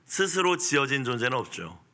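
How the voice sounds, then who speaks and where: A male pastor giving an early-morning sermon, moving between soft, quiet asides and pleading, forceful outbursts. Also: mid-range voice, very animated, moderate pace.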